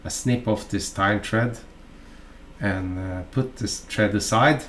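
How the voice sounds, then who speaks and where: A Norwegian man with a Norwegian accent narrates a fly-tying tutorial, talking in a halting, chatty way packed with fillers and asides. His voice is lowish and fairly bright, with a little hiss or hum in the background.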